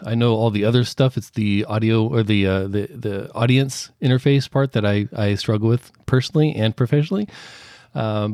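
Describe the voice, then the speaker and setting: A middle-aged man with a deep voice, explaining audio equipment as a podcast guest with halting restarts. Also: a little mellow, no room sound, studio quality. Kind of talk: casual explanatory interview.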